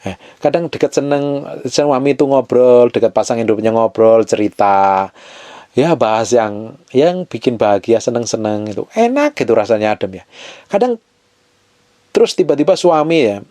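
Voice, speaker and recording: A middle-aged man preaching a sermon in a lively, playful way, acting out quotes and asking the crowd questions. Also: mid-range voice, moderate pace, dry recording. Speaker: pastor.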